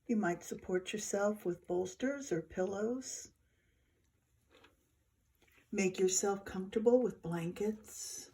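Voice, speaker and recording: A woman teaching yoga nidra, giving soft, soothing guided meditation instructions in short phrases with pauses. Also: mid-range voice.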